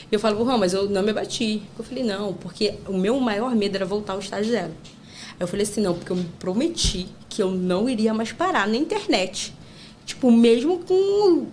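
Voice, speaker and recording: A woman's voice: medium pitch, darkish tone, a little hiss or hum. A woman chatting as a podcast guest, telling stories with lots of fillers, acting out quotes and breaking into laughter. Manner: chatty storytelling full of fillers. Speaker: podcast guest, content creator. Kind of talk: casual chat.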